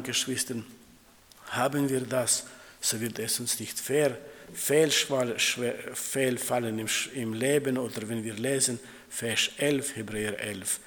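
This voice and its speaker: A man preaching a sermon to his congregation, calling them siblings and quoting scripture, with halting, non-native phrasing and restarts. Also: mid-range voice, a bit bright. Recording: long hall reverb.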